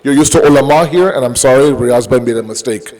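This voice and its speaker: A man's voice: medium pitch, fast, darkish tone, poor audio. A man giving a sermon as a Muslim preacher, conversational and emphatic, with rhetorical questions, mixing English with Urdu and Arabic phrases. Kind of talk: sermon with everyday examples and acted-out dialogue.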